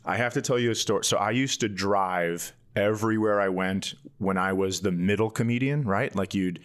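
A man with a fairly low voice tells comic stories in a casual, conversational way. He is candid and self-deprecating, like a working comedian chatting on a podcast. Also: moderate pace, clean tone. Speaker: stand-up comedian and podcast co-host.

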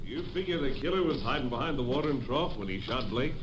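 Guy playing folksy sheriff, lively up-and-down voice, muffled old radio recording. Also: medium pitch, fast talker, over music, lightly acted. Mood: curious. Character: plain-spoken, helpful country sheriff. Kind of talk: 1950s radio western acting.

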